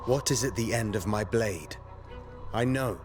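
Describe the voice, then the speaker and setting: A man's voice: fairly low pitch, a little slow, close to an everyday voice. A man playing a cocky, driven young warrior hero in a video game, with a brash, self-assured manner. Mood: reflective. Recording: music behind the voice.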